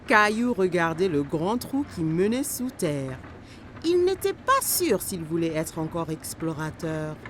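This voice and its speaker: A woman narrating a scripted children's story in simple sentences, with expressive storytelling. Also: fairly low pitch, a little slow, a little hiss or hum. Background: music.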